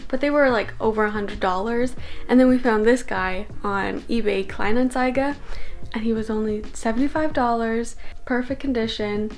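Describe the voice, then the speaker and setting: A young woman from Canada, vlogging casually at home with lots of "like" fillers. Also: mid-range voice. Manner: chatty, filler-heavy with many "like"s. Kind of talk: casual day-in-the-life vlog.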